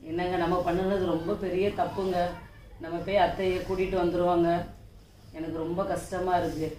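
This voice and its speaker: A woman's voice: fairly low pitch, flat delivery, brisk, dark tone, a little hiss or hum, close to an everyday voice. A woman playing a repentant daughter-in-law who earnestly admits her wrongs. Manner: earnest, apologetic. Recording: echoey distant room with music.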